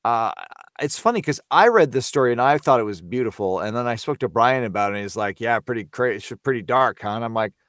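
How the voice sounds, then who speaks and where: A man in a casual podcast discussion, talking expressively and halting to repeat words as he thinks. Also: medium pitch, lively intonation, a bit bright, dry recording, clean studio sound. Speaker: voice actor, podcast guest.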